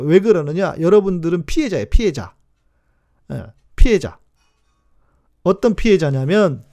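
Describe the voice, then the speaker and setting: Gravelly-voiced man pastor teaching on a live stream. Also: high voice, darkish tone. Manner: chatty and emphatic, repeats key words and reads viewer comments.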